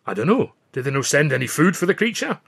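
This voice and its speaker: A man's voice: a little high, sing-song, quick pace, creaky, a bit bright, breathy edge, pitched above the performer's own voice, full character voice. A man voicing a cocky, bossy little Scottish film comedian in an audiobook. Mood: bossy, planning. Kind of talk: audiobook character voice.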